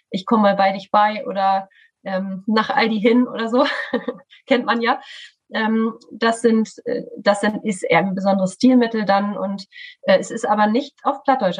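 A middle-aged woman from Schleswig-Holstein, explaining things thoughtfully as a podcast guest, with many fillers and restarts. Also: medium pitch. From Schleswig-Holstein, northern Germany. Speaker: artistic director of a theatre studio, guest.

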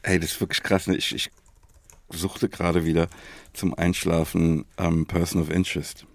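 A man's voice: low-pitched, flat delivery, normal speed, gravelly, dry recording. A man chatting casually as a podcast co-host, laid-back and colloquial, often tagging phrases with a questioning filler.

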